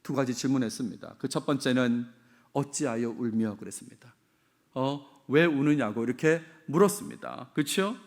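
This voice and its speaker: A man's voice: mid-range voice, normal speed. A middle-aged man preaching a sermon as senior pastor, repeating key phrases and putting questions to the congregation.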